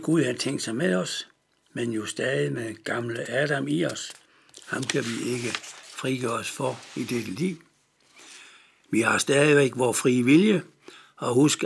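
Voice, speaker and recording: Guy preaching a radio devotional, gravelly husky voice, calm and steady. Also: medium pitch. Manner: calm, measured explanation of scripture.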